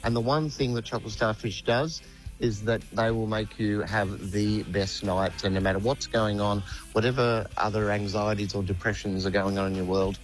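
A low-voiced man talks casually, with plenty of ums and restarts. Faint music plays softly behind him. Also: moderate pace, poor audio. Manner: chatty, relaxed, many fillers and restarts. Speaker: singer of a rock band. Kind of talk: radio interview.

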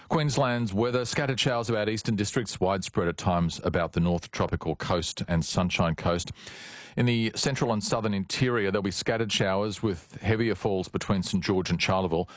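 Deep Australian male newsreader. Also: no room sound, clean studio sound. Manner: measured and formal. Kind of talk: scripted news and weather reading.

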